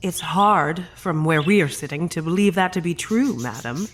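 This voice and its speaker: An actor playing a courteous, solemn senior agent of a secretive organization in an audio drama, formal and eloquent. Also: male voice, fairly high pitch, animated, normal speed, fairly bright tone. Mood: skeptical, polite.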